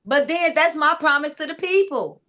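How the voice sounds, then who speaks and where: A woman clarity coach with a naturally high-pitched, loud voice, speaking directly to her listeners in a casual, emphatic motivational talk full of asides. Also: moderate pace.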